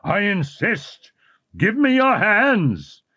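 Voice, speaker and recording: A man voicing a deformed, jealous masked man who hisses and roars in slow, tormented speech. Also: high-pitched, wildly swooping pitch, pushed and bright, breathy edge, no room sound, lo-fi sound, voice pushed up, exaggerated voice. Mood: raging, anguished. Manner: slow, hissing, roaring.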